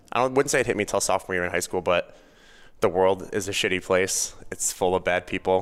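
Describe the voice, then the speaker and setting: A man with an American accent talks at a moderate pace with ordinary pitch variation while music plays in the background. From Chicago suburbs, US Midwest. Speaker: fitness and nutrition coach. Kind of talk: casual interview. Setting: hotel room.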